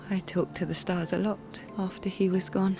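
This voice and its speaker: An actress playing a gentle, wistful young woman who speaks softly and slowly in a game cutscene. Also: mid-range voice, flat delivery, creaky, over music, natural voice. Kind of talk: video game cutscene acting. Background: orchestral game score.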